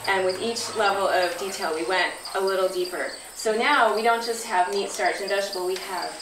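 A woman's voice: medium pitch, fairly even intonation, brisk. A woman in her thirties teaching a workshop at a flip chart, asking the group questions as she goes. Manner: friendly, asks the group questions. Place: outdoor pavilion, standing at a flip chart. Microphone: far camera. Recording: roomy, distant camera audio with noise. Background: insects and crickets.

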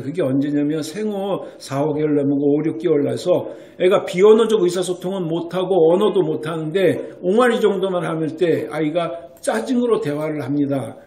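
Male doctor, high voice, emphatic explainer to parents, echoey room. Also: normal speed, few pauses, mellow. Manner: emphatic, keeps asking rhetorical checks like "right?". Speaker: Korean medicine doctor explaining child development.

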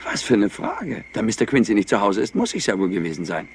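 An actor playing a clever, flippant and somewhat highly strung nephew in a crime drama, mocking and impatient. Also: male voice, huge pitch swings, fast, a little hiss or hum. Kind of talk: dubbed TV crime drama acting.

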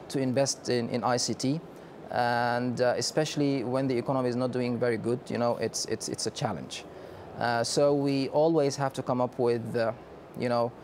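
A Sudanese man in his thirties gives a measured conference interview, pausing often with hesitations. His voice sits at a middle pitch for a man, and a faint hum of noise runs behind him. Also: a little mellow. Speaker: company director, interview guest. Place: exhibition booth studio set.

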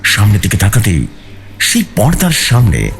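A man's voice: fairly low pitch, huge pitch swings, normal speed, gravelly, slight background noise. A man reading a scripted horror story aloud in a suspenseful, theatrical way. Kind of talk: dramatic scripted horror narration, read aloud. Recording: music bed behind the voice.

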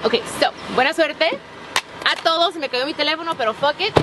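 A woman's voice: high voice, moderate pace, far from the mic. A woman talking casually in a parked car and mixing Spanish with English, filmed on a phone at arm's length. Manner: switches between Spanish and English. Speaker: celebrity in a clip. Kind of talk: casual social media clip. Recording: from afar with loud street noise.

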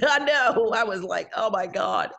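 Lively woman hosting a video call. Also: medium pitch, measured pace, vocal fry. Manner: lively, exclamatory, talks to guests directly. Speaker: host. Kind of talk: casual video call chat. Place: home room with bookshelves.

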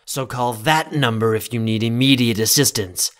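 A man playing a stern, protective young CEO in an audio drama, speaking formally and deliberately with a commanding manner. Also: medium pitch, close to an everyday voice. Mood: grave, stern.

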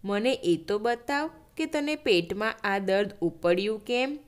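A woman's voice: medium pitch, animated, unhurried, natural voice. A woman voicing a kindly uncle bear. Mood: concerned. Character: kindly grown male bear, helpful uncle.

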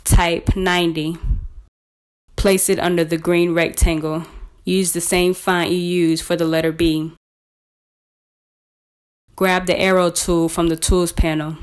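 A woman presenting a scripted step-by-step software tutorial in a measured, instructional way. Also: lowish voice, clean tone.

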